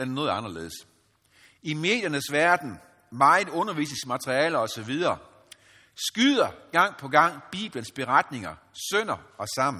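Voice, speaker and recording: A fairly high-pitched man's voice with vocal fry, very wide pitch swings, a bright, sharp tone and a fairly slow pace. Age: 50s. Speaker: engineer and lay speaker. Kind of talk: lecture.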